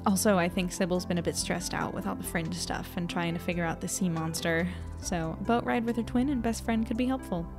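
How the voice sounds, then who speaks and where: A woman's voice: fairly low pitch, brisk, few pauses, music in the background, lightly acted. A woman playing a curious, self-doubting young journalist in an audio drama, earnest and conversational. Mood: reflective. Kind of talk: audio drama acting and diary narration.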